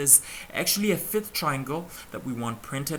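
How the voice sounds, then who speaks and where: Ordinary pitch variation comes through as a man speaks at a moderate pace. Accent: non-native. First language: not English. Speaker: coding tutor, channel host. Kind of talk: tutorial. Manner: casual, hesitant with fillers.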